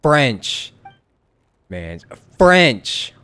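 A man's voice: mid-range voice, sing-song, extremely slow, sharp tone, smooth. A man giving casual live stream commentary as a game streamer, in a wry, joking manner. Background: game music.

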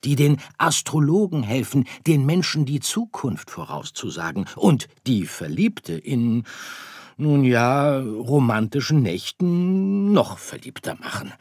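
A man doing a gentle father star. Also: mid-range voice, takes it slowly, husky, no room sound, studio quality, pitched above the performer's own voice, heavily acted. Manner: calm, explaining. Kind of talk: audiobook character voice.

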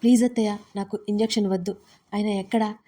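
A woman's voice: medium pitch, steady tone, fast, warm tone, close to an everyday voice. A woman voicing a frightened young wife who anxiously pleads with her mother-in-law in an audio storybook. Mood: pleading.

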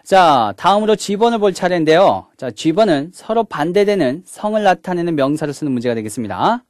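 Lively man teaching English grammar. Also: fairly high pitch, moderate pace, no room sound, studio quality. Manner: explains step by step, opening each point with "자"; mixes English words into the explanation. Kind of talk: recorded video lecture.

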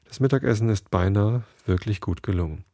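Low, gravelly male story reader. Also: a little fast, warm tone, no room sound, studio quality. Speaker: podcast host reading a story. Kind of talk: calm scripted story reading.

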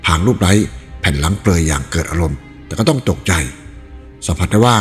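A man narrating a novel aloud in an expressive storytelling read. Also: low-pitched, brisk. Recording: reverberant room with faint music.

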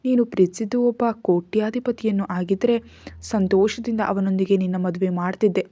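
A woman's voice: mid-range voice, steady tone, a little fast, warm tone, dry recording, natural voice. A woman reading the part of a stern, wealthy father who scolds and threatens his daughter in a storybook narration. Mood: scolding. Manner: scolding, cold and commanding.

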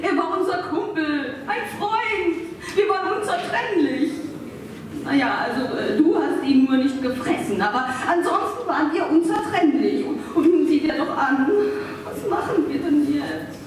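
A woman's voice: high-pitched, lively intonation, moderate pace, distant mic. A woman voicing an agitated, bossy male pug in a live comedy radio play, exasperated and melodramatic. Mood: distraught. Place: theatre stage before an audience. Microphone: stand microphones, distant camera. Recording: echoey stage PA heard from afar, noisy.

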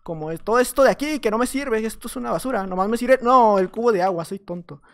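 A man with a Mexican accent giving playful, jokey gameplay commentary, swinging between loud excited outbursts and low mumbles. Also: quick pace. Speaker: gaming YouTuber.

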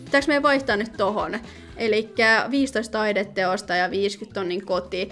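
A young woman commenting casually on her gameplay, chatty and excitable, often pleading and reading out game options. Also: mid-range voice, faint music behind. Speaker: gaming video host.

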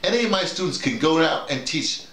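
A middle-aged or older man who leads workshops and teaches radio drama explains something casually to colleagues, emphatic and teacher-like, often halting and repeating words. His voice is on the high side, expressive, gravelly and fairly bright. He's seated in a small, bare-walled room that echoes.

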